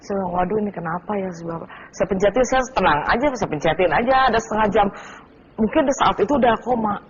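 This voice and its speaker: Woman, emotional testimony, fast talker, muffled lo-fi audio, faint hiss. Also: mid-range voice, expressive. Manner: emotional, vivid retelling with acted quotes. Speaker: guest, wife. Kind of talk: personal testimony. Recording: dull lo-fi TV audio, faint noise.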